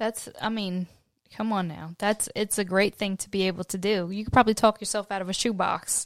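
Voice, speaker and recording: Spoken at a fairly quick pace with a New Jersey accent, the voice has a warm tone and flat, monotone intonation, with a dry, close sound and no echo on a very clean recording with a silent background. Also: woman, medium pitch for a woman. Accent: New Jersey American. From US Northeast, New Jersey. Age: 30s. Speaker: podcast host. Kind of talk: casual interview chat. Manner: warm, laughs often.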